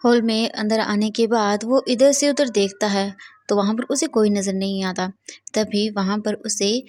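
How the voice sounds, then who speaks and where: Young woman storyteller, plain retelling with fillers, raised pitch, dry. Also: no room sound. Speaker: fanfiction narrator. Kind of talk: storytelling read-aloud.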